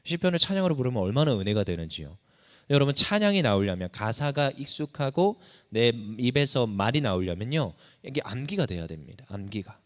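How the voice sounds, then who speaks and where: A man's voice: mid-range voice, sing-song, a little fast. A man preaching a sermon as pastor, impassioned, his voice climbing sharply whenever he cries out a prayer. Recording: long reverb of a church hall.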